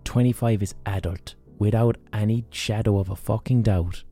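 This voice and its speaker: Man, 30s, podcast host, very low dark voice, blunt, swears a lot, faint background music. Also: fairly even intonation, moderate pace. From Ireland. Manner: blunt, heavy swearing, emphatic. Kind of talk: solo podcast monologue.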